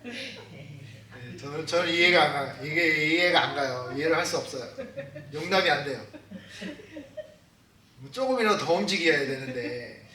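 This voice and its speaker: A man's voice: on the high side, expressive, moderate pace, long pauses, pushed and bright. A man preaching a Sunday sermon as pastor, in a chatty, joking way, acting out everyday scenes. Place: church hall. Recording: echoey hall, mic at a distance.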